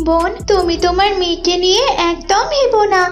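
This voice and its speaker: A kindly cartoon animal mother voiced by a woman, pitched extremely high. She sounds earnest and reassuring, a gentle rescuer with faint music behind. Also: brisk. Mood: reassuring, concerned. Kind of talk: cartoon voice acting.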